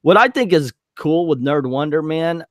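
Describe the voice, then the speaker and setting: Animated self-mocking man in his forties. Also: fairly high pitch, normal speed, no room sound, clean studio sound. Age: 40s. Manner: joking, self-deprecating, animated. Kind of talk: casual chat.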